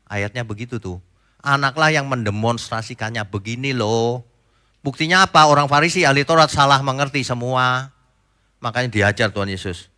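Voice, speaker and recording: Male pastor, bright tense tone, chatty sermon, loud points then quiet asides, rhetorical questions to the flock. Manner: conversational preaching, swings between loud emphatic points and soft low asides; asks the congregation rhetorical questions.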